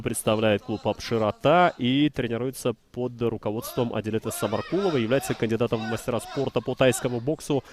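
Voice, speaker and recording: Male TV MMA commentator, medium pitch. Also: darkish tone. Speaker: TV sports commentator.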